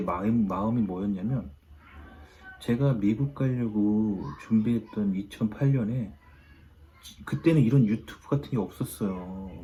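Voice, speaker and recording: A man speaks at a fairly slow pace with a medium pitch and ordinary pitch variation. Noticeable background noise sits behind him. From South Korea. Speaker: YouTuber, PhD engineer. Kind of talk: vlog monologue.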